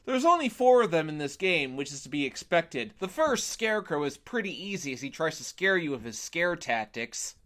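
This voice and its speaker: A man's voice: sits high, a bit bright. A man reading a scripted video game review, opinionated, with wry sarcastic asides.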